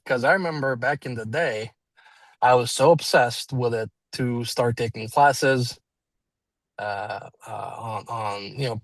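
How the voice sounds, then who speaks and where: A man's voice: mid-range voice, fairly bright tone, no room sound, poor audio. Man, twenties, non-native english accent, rambling, self-deprecating, dry sound. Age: 20s. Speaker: salesman and business owner. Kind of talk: casual conversation, storytelling. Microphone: video call.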